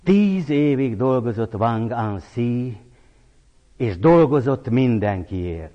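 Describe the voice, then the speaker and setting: A man in his forties giving a measured, solemn poetry recitation. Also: mid-range voice, expressive. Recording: dull lo-fi recording with long reverb.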